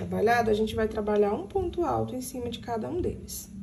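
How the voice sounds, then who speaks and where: A woman talks at a fairly quick pace. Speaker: crochet instructor. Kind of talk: tutorial.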